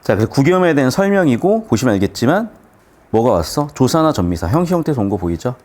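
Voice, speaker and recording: A man lecturing students on grammar, asking quick questions and answering them himself, shifting between polite and blunt speech. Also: medium pitch. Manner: lively, questioning, answers his own questions.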